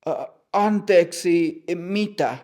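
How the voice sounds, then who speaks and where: A man's voice: sits high, a little mellow, voice pushed up, close to an everyday voice. Man voicing a flustered young customer. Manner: nervous, hesitant.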